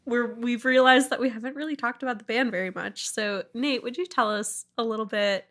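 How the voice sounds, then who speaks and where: A woman's voice: fairly high pitch, fairly quick, a bit bright. A woman hosting a podcast in casual, chatty conversation with friends. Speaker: podcast host.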